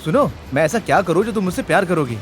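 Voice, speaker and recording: A man's voice: high voice, lively intonation, fast, soft background music. An actor dubbing a lovesick young man pleading with a woman. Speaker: lovesick suitor in a dubbed film. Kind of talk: Hindi film dubbing.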